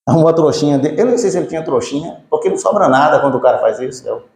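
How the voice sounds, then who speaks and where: A man telling a story in a sermon, colloquial and lively, addressing the congregation by name. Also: a little high, racing, a little hiss or hum. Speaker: preacher. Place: church. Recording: echoey church hall.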